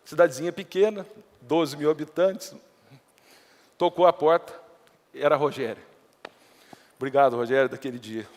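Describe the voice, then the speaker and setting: A man's voice: on the high side, fairly even intonation, normal speed, pauses often, darkish tone. A middle-aged Brazilian man with a countryside Minas Gerais accent, telling his life story to a live audience in a chatty, anecdotal way. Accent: Brazilian Portuguese, countryside Minas Gerais. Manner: anecdotal, acts out quoted dialogue, chatty asides. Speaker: entrepreneur giving a talk. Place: stage in a large hall before an audience. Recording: reverberant hall.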